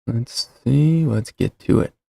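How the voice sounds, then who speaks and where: Gravelly-voiced man rambling on a livestream. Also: medium pitch, takes it slowly, mellow, dry recording. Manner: rambling, self-deprecating, many fillers and restarts. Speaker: livestream host. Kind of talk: casual livestream chat. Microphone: desk mic with shock mount.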